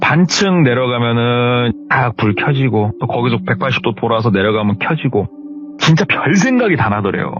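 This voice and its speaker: A man retelling a viewer's horror story in an animated, conversational way. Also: medium pitch. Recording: slightly muffled lo-fi recording.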